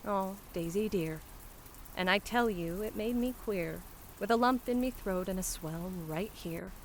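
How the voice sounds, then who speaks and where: A woman voicing a brash, warm-hearted young Cockney flower seller who scolds and hawks her wares in a dramatic poem. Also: medium pitch, unhurried, a little hiss or hum, close to an everyday voice, poor audio. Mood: tender, wry. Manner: street-hawker cries, scolding and dropping h's. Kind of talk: dramatic poetry performance.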